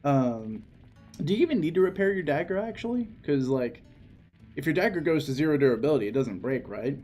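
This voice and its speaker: A man's voice: on the high side, sing-song, darkish tone. Young man rambling with lots of likes. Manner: halting, hedging, lots of "like" and "dude". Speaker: co-host. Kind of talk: casual gameplay chat. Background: faint game music.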